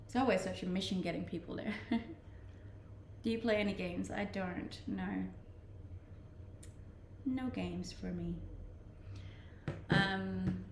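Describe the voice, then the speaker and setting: A woman's voice: medium pitch, slow pace, long pauses, roomy sound, slight background noise. A woman from Denmark with a Danish accent, chatting casually on a live stream as she reads out viewer comments and answers them, laughing often. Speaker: Twitch streamer.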